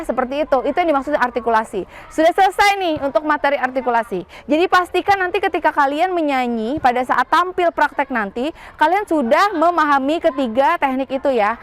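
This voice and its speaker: A woman's voice: high voice, a bit bright. A young woman teacher with a Banjar-inflected Indonesian accent, patiently explaining singing technique to students outdoors, step by step. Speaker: school music teacher. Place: outdoors at a school.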